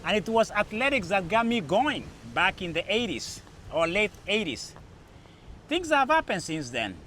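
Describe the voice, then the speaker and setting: A man's voice: high voice, big pitch swings, normal speed, bright, forceful tone. A middle-aged man with a Kenyan accent hosting an informal commentary, speaking emphatically like a storyteller and repeating phrases for effect. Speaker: podcast host. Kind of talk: informal spoken commentary to camera. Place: outdoors in a natural setting. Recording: outdoor recording with background noise.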